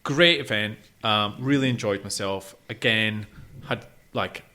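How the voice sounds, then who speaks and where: A man's voice: lowish voice, a little slow, pushed and bright. A man co-hosting a podcast, chatting casually about gigs he has been to. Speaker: podcast co-host.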